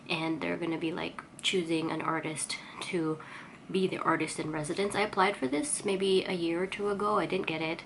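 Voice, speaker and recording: A woman speaks in a somewhat low voice that sounds congested from a cold. She chats casually like a vlogger, rambling along in a self-effacing way. Some background noise sits behind her words. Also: vocal fry, a bit bright, rough recording. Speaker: vlogger and artist. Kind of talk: casual chatty vlog update.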